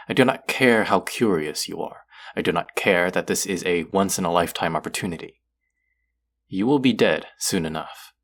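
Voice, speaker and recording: An actor playing a stern, haughty god of the underworld in an audio roleplay, speaking formally with an exasperated, grudging manner. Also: male voice, low-pitched, vocal fry, fairly bright tone, full character voice. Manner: imperious, exasperated, formal speech with sighs. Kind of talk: scripted character audio roleplay.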